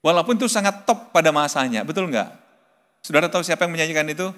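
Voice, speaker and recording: A male pastor preaching a sermon to his congregation, animated, rising to loud pleading cries when he reads scripture. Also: a little high, quick pace. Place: church hall. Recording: reverberant church hall.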